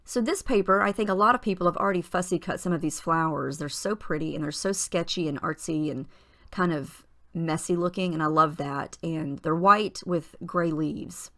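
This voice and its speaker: Woman with a husky morning voice, narrating crafts. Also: on the low side, moderate pace. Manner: chatty and relaxed, with small fillers and restarts. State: husky morning voice, clearing her throat. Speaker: scrapbooking tutorial host. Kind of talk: casual voice-over narration of a craft process.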